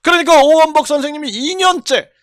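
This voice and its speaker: An older man with a strikingly high voice rails with indignation, firing off rhetorical questions and hammering repeated phrases. He is recorded close up with a dry, roomless sound. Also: fairly quick, a bit bright, dry recording. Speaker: YouTube commentator. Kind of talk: impassioned political commentary.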